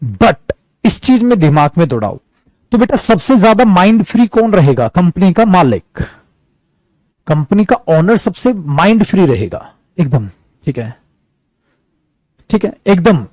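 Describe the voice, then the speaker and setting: A man's voice: sits high, big pitch swings, measured pace, long pauses, a little mellow, no echo. A man teaching an online English lesson in a chatty way, calling his students "beta" and acting out examples. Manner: acts out examples.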